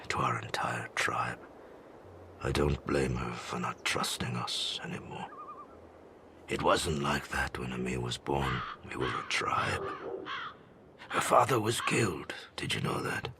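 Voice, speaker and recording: An actor playing a weary, regretful old tribal man in a video game, speaking gravely in a gravelly, breathy voice. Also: rumbling low, animated, bright, forceful tone, slight background noise, exaggerated voice. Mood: weary sorrow. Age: older. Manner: slow, somber storytelling. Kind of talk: video game cutscene monologue.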